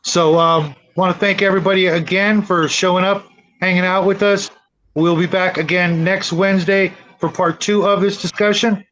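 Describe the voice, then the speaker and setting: High-voiced man hosting, slightly muffled audio. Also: steady tone, moderate pace, a bit bright, slight background noise. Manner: hesitant, repeats words. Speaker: show host. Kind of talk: casual chat, livestream sign-off. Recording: dull, lo-fi livestream audio.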